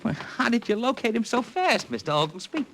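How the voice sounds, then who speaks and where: A man's voice: extremely high pitch, very animated, fairly quick. A man narrating and acting as an eager, fussy talent agent in a 1940s radio drama. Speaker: narrator and lead character, an agent. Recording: noisy old radio transcription.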